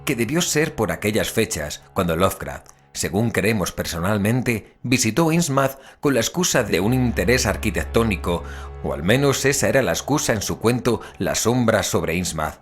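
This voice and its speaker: A man's voice: on the low side, big pitch swings, normal speed, faint music behind. A man playing a grave, haunted investigator, narrating an audio drama in a solemn, literary way. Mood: grave, horrified. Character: male investigator recounting dark horrors, grave and haunted.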